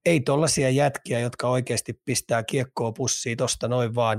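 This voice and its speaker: Finnish guy co-hosting a hockey pod, mid pitch, thinks out loud, loops on words, dry sound. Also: dry recording. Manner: speculative, rambling, repeats words while thinking. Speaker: podcast co-host, hockey analyst. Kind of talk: casual sports podcast chat.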